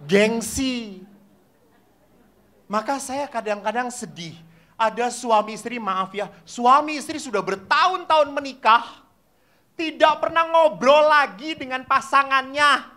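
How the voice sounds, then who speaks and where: A middle-aged Catholic priest, giving an animated sermon that acts out voices and quizzes the congregation. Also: male voice, very high voice, measured pace. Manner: animated storyteller acting out voices and asking the audience questions. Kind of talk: lively sermon to a live congregation.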